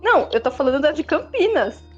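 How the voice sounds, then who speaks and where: A high-voiced Brazilian woman co-hosting a livestream, giving firm, critical opinions and explaining them at length. The audio is dull and lo-fi, with faint music underneath. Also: big pitch swings, brisk. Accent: Brazilian Portuguese. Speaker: co-host. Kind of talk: casual livestream chat.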